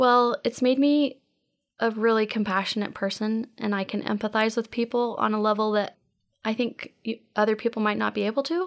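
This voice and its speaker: An unremarkable speaking voice comes through at a moderate pace with fairly even intonation on a very clean recording with a silent background. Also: woman, fairly high pitch for a woman. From Utah, moved from Texas and New Mexico as a child. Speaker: dance coach and former professional dancer. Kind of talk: personal testimony interview.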